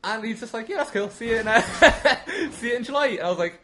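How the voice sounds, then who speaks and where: A young Irish man telling casual stories as a guest, animated, self-deprecating and sweary. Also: very high voice, fairly quick, slight background noise. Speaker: podcast guest, wrestling commentator.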